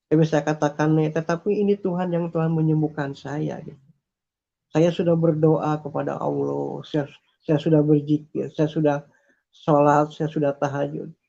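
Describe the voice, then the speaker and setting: A man's voice: a little high, gravelly, dark tone. A man telling his personal faith testimony in an earnest, repetitive way, with frequent hesitations. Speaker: testimony speaker. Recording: dull lo-fi recording.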